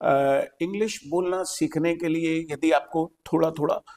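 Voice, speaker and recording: A man's voice: fairly high pitch, a little slow, a little mellow, big-room sound. Indian man explaining with patient repetition. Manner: patient, repeats key points for emphasis. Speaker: English teacher and host. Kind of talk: explaining in a podcast interview.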